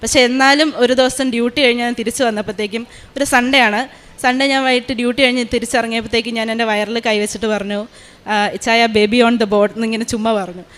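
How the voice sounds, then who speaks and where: A woman's voice: fairly high pitch, fairly even intonation, fast, a bit bright. A young woman, telling a personal testimony in an earnest storytelling way full of fillers. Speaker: testimony giver.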